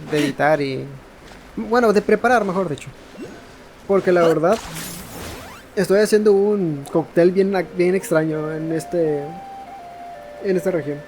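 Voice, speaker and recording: Male gamer, Mexican accent, fairly high voice, casual playthrough commentary with clear music behind. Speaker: gamer narrating his playthrough. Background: game music.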